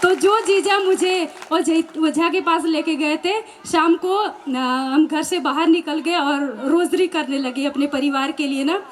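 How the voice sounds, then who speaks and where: High-voiced woman sharing her faith testimony. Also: unhurried, few pauses, a little hiss or hum. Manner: storytelling, acting out quoted voices, laughing now and then. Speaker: religious sister giving testimony.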